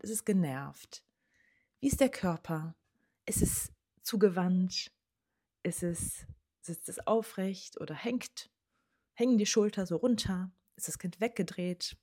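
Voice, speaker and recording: A woman's voice: fairly low pitch, warm tone, breathy edge. A woman, speaking directly to parents as a parenting coach in an earnest advice talk, often dropping to a near-whisper.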